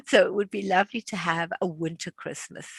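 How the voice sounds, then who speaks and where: A woman's voice: lowish voice, fairly even intonation, fairly quick, gravelly, slightly rough, no room sound. A woman in her sixties hosting an online class, chatting casually and laughing easily. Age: 60s. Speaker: class host. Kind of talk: casual hosted chat.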